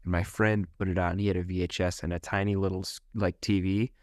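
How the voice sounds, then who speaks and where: A young man co-hosting a movie podcast, telling lively stories from childhood with his voice jumping up for quotes. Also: fast, dry recording, studio quality. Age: young adult. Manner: animated storyteller, jumps pitch for quoted voices. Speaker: podcast co-host. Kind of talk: casual chat about movies.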